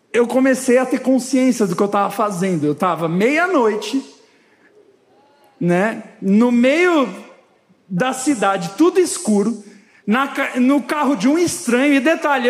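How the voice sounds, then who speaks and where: Man, pastor, lively story-driven sermon, quite high pitch, echoing hall. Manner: animated, lively storytelling with quoted dialogue. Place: church hall. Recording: long hall reverb.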